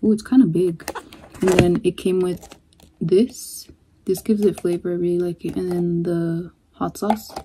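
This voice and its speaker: A young woman chatting casually to camera in her bedroom during a food vlog, relaxed and unhurried, trailing off with fillers. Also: on the low side, noisy background. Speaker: vlogger. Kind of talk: casual mukbang chat.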